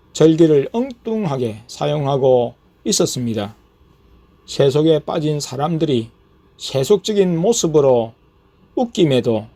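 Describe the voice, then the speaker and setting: Male pastor, scripted testimony narration, fairly high pitch, even measured delivery.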